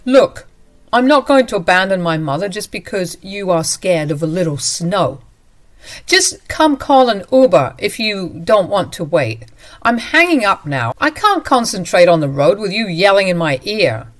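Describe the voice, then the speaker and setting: A woman's voice: medium pitch, big pitch swings, moderate pace, close to an everyday voice. A woman voicing a stubborn, dismissive husband who brushes off complaints impatiently, raised and insistent. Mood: irritated.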